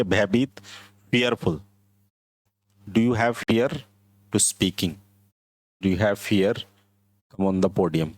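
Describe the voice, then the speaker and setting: A man with a somewhat low voice and an Indian accent explains vocabulary word by word, mixing simple English phrases into Hindi. The sound is dry and close, with no room echo. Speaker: English teacher. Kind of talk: classroom vocabulary lesson.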